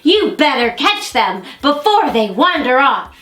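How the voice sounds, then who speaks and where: A woman's voice: sits high, sing-song, unhurried, a bit bright, echoey room, faint music behind, voice pushed up, heavily acted. A woman voicing a fox in a children's storybook, urging with advice. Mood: urgent. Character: helpful fox giving warning.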